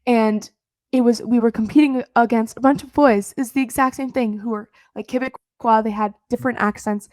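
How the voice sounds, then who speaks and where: Young Swiss woman, higher voice, enthusiastic. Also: steady tone, normal speed, darkish tone, no room sound. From Switzerland. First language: French. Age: young adult. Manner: enthusiastic, casual, says "like". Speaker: guest, student head prefect. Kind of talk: casual conversation.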